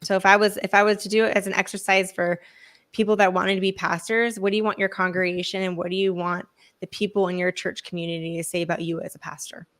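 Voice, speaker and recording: A woman with a hoarse voice from laryngitis, speaking as a guest author in an earnest, reflective interview, thinking aloud as she goes. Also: medium pitch, little pitch movement, quick pace, fairly bright tone.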